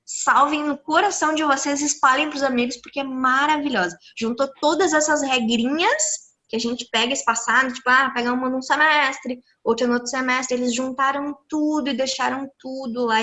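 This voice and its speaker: A woman, an English teacher explaining pronunciation rules to students in a live online class over a computer mic, lively and encouraging. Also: sits high, brisk. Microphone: computer mic on a video call.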